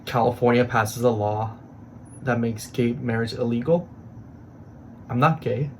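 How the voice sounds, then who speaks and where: A young man giving a scripted confessional monologue in short, halting phrases. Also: medium pitch, a little hiss or hum.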